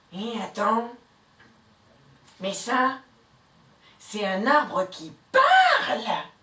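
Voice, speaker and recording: Putting on a character voice, a woman speaks at a fairly high pitch. Her pace is very slow. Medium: read story.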